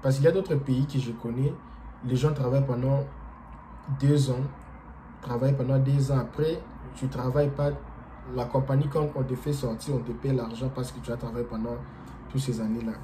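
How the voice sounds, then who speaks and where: Non-native french speaker guy vlogging, super mellow dark voice, lots of uh and repeats. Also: medium pitch, fairly even intonation, a little hiss or hum. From DR Congo. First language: not French. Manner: hesitant, halting, frequent fillers and repeated words. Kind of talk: casual explanatory monologue.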